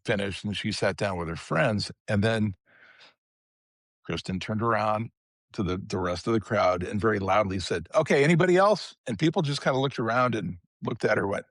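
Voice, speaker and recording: A man's voice: fairly low pitch, normal speed, fairly bright tone, no echo, clean studio sound. A man guest on a podcast, telling stories in a rambling way with many restarts. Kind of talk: casual storytelling chat.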